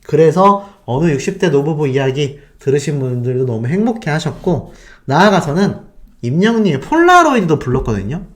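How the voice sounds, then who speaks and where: A man hosting a fan channel, excitedly retelling events and throwing rhetorical questions at his viewers. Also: fairly high pitch, fairly quick. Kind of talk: animated storytelling to viewers.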